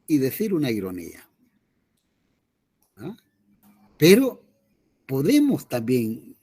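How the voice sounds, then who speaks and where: Patient teacher, lively pitch. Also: male voice, slightly rough. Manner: explains patiently, checks in with "¿verdad?" often. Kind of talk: online class lecture.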